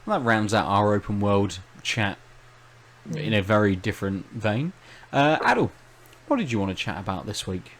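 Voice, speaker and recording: A man's voice: on the low side, expressive, normal speed. A man hosting a casual gaming podcast, making dry, laid-back quips and steering the chat. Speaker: podcast host.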